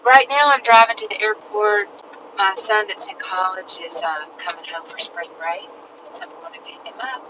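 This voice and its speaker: A woman's voice: mid-range voice, steady tone, moderate pace. Distant muffled woman chatting from a car. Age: middle-aged. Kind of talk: casual chat. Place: inside a moving car. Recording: distant, muffled, loud car road noise. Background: car and road noise.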